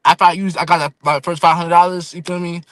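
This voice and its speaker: A man's voice: high voice, level tone, fast talker, a bit bright, no room sound. A young man of eighteen, talking loosely as a podcast guest and saying "you feel me" again and again. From Fresno, California and Houston. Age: young adult. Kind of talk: casual podcast chat.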